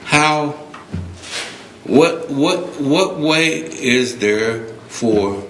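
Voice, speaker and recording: A man addresses a city council from the podium, talking very slowly and earnestly, often restarting his sentences. He sounds emotional. The council chamber gives his voice a roomy echo with a faint hiss behind it. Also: on the high side, animated, fairly bright tone. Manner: halting, earnest, many restarts. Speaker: public commenter at city council. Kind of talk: public comment, unscripted plea.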